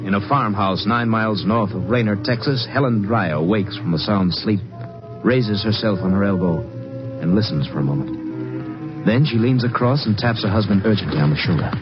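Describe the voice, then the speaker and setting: A man's voice: on the low side, normal speed. A man delivering scripted narration as the narrator of a 1950s radio drama. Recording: muffled old radio recording with music.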